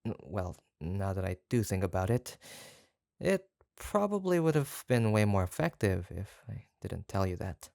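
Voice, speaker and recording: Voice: sits low, big pitch swings, normal speed, creaky, dry recording, studio quality, exaggerated voice. A performer playing an obsessive, lovestruck yandere kidnapper in a roleplay audio drama, hesitant and rambling as they dote on the listener. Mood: smitten, possessive. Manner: hesitant, rambling, soft-spoken menace with nervous chuckles.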